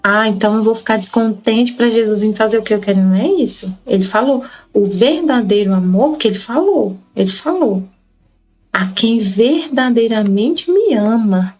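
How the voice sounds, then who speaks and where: A woman's voice: medium pitch, a little fast, few pauses, a little mellow, poor audio. A woman with a Brazilian Portuguese accent, reading devotional writings aloud and explaining them earnestly, repeating phrases for emphasis. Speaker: Catholic study group leader.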